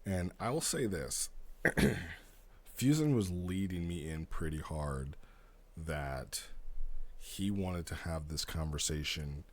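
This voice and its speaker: A man giving casual, explanatory commentary as a streamer, talking through a story in an animated way. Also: low-pitched, takes it slowly. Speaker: streamer reviewing roleplay stories.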